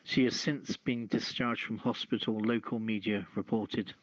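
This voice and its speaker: A man hosting a casual news podcast, reading stories and commenting in a halting, deliberate way. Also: lowish voice, steady tone, dry recording. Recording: dull, lo-fi streamed audio.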